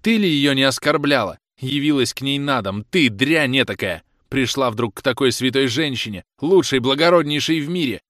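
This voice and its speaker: A man's voice: mid-range voice, expressive, moderate pace, fairly bright tone, no room sound, clean studio sound, close to an everyday voice. A man voicing a jealous, furious young man who hurls accusations at his lover in a raised, scornful voice. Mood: angry. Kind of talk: audiobook character reading.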